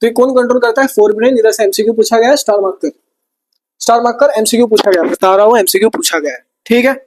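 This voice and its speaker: A man's voice: extremely high pitch, fast talker, a little mellow, low-quality recording. A young man teaching an exam-prep science lesson, chatty, calling students brother and repeating key terms.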